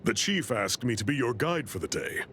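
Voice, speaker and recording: Man playing easygoing young tribal guide, video game character, lively swooping intonation, casual explainer, faint background noise. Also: medium pitch, fairly quick, close to an everyday voice. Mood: casual, explanatory.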